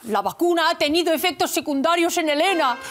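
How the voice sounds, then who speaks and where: An actress playing a scheming royal sister who whines, pleads and gossips. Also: female voice, very high-pitched, fairly quick, a bit bright, faint music behind. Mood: pleading. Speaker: satirical sketch actress. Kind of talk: sketch comedy acting.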